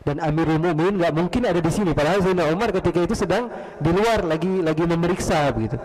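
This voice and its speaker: A man's voice: on the high side, fast, a little mellow. A man preaching a storytelling sermon, acting out the voices in his tale and putting questions to the audience. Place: large mosque hall. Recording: long hall reverb.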